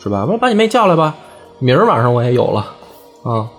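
A man's voice: medium pitch, sing-song, fast talker, faint music behind, close to an everyday voice. A man voicing a careless tyrant king in a breezy, offhand way, within a comic retelling of a folk tale.

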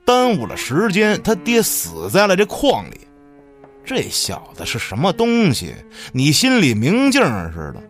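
A man's voice: on the high side, huge pitch swings, soft background music, exaggerated voice. An actor playing a big, burly, calculating man in a radio drama, mocking and menacing as he talks. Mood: sneering, menacing. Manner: mocking, deliberate, swearing.

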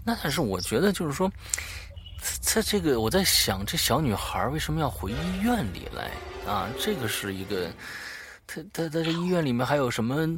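Very deep-voiced woman host, faint music. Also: sing-song, normal speed. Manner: frequent short murmurs of assent, hesitant musing. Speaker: podcast host. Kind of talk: casual chat, reacting and musing.

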